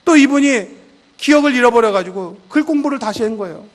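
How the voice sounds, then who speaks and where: A man's voice: very high-pitched, lively intonation, a little fast. A male pastor preaching a sermon, telling a story and acting out prayers and dialogue with growing intensity. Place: church sanctuary.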